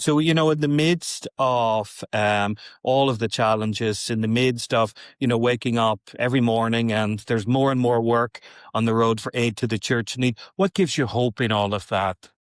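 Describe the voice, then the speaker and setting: A man hosting a podcast interview, relaxed, setting up long questions. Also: mid-range voice, moderate pace, no room sound, clean studio sound. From Ireland. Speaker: podcast host.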